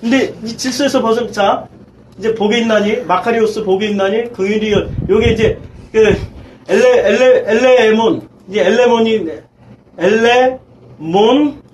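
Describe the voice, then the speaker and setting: A man with a high-pitched voice leads a church Bible study as its pastor. He teaches emphatically, asking his listeners question after question and mixing casual and polite speech. A faint background noise runs under the recording. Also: measured pace, muffled recording. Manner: emphatic, swings between loud and quiet.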